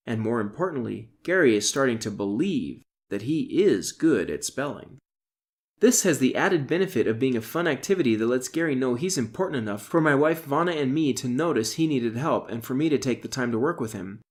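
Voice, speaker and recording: A middle-aged man, an author, reads his self-help audiobook in a deliberate, instructional way, stressing key terms. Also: mid-range voice, lively intonation. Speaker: author reading own audiobook.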